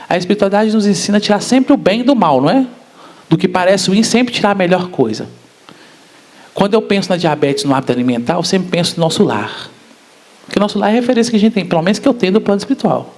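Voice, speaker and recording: A man giving a spiritist public lecture, often asking the audience questions. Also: high-pitched. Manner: asks the audience questions, animated.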